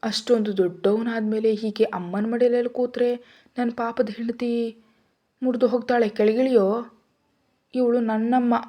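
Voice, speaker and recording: A woman's voice: a little high, steady tone, moderate pace, lightly acted. Vikram, a woman reading a teasing husband. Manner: gentle, playful teasing. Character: loving husband and father, teasing.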